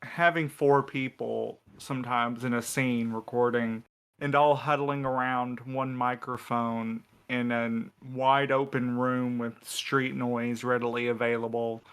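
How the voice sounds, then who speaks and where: A man with a bright, crisp and clean voice talks casually as one of a podcast crew. His delivery is dry and a little wry. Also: mid-range voice, little pitch movement, unhurried. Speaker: podcast cast member, writer and editor. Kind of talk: casual panel chat.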